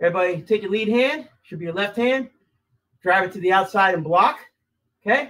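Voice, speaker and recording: Against a quiet background, a man speaks at a fairly quick pace broken by long, frequent pauses. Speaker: martial arts instructor. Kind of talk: live online martial arts class, calling out drill counts and corrections. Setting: live-streamed video class. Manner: loud, rhythmic, commanding, shouting kiais and counts. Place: gym. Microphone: camera far.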